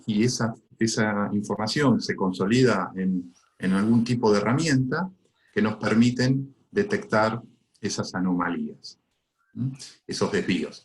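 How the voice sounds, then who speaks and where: A man with an Argentine accent explains cybersecurity in a webinar. His voice sits low, and he pauses often with fillers and tag questions. The sound is echoey, as if from a bare room. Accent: Argentine Spanish. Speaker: cybersecurity speaker. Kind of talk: webinar Q&A answer.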